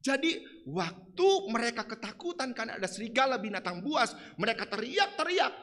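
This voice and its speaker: A man preaching a sermon in a church, swinging from soft asides to shouted lines. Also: very high voice, sing-song, fairly quick.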